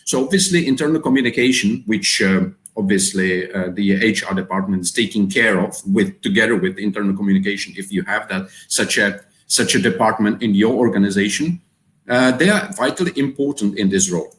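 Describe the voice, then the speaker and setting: A man's voice: fairly low pitch, brisk, fairly bright tone. A man from the Czech Republic with a Czech accent, hosting a live webinar and speaking hesitantly with many fillers and repeated words. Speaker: webinar host. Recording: roomy echo.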